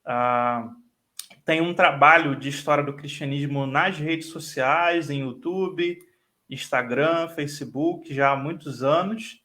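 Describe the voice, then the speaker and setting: This guest professor from Brazil talks slowly in a slightly high, bright voice with a forceful edge, his Rio de Janeiro carioca accent clear. Fluent and explanatory in the live online interview, he keeps tagging his lines with "né".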